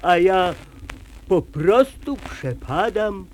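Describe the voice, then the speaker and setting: A man voicing a small, childlike dragon puppet with a halting, mock-solemn manner in a children's comic play. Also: high-pitched, animated, exaggerated voice. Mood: indignant, flustered. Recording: old vinyl with clear background noise.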